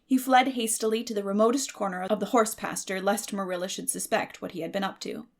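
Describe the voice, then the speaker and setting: Expressive woman narrator with a creaky edge. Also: medium pitch, fairly quick. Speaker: audiobook narrator. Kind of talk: dramatic scripted storybook narration.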